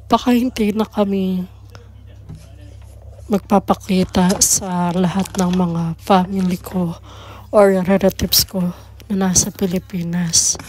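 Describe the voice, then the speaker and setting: A woman's voice: mid-range voice, darkish tone. A young Filipino woman chatting casually as a vlogger and mother in a home family video. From Philippines. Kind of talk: casual family vlog chat.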